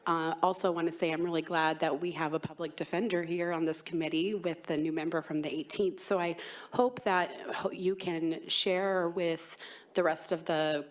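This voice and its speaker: A woman's voice: fairly low pitch, level tone, moderate pace. A woman lawmaker testifying to a committee, her voice worn by a cold, earnest with many ums. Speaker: state legislator testifying.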